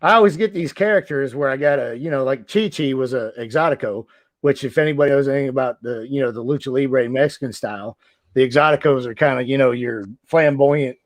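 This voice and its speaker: A man's voice: medium pitch, fairly quick, dry recording. A man reminiscing casually as a podcast host, with a joking, self-mocking way of talking. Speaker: podcast host, former wrestler.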